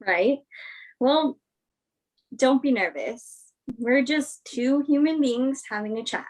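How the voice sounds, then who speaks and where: A woman's voice: high voice, slow pace, a little mellow, poor audio. A woman acting the part of a candid, principled movie star giving an interview in a naturalistic play reading, frank and reflective. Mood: casual, reluctant. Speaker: actress in a virtual staged reading.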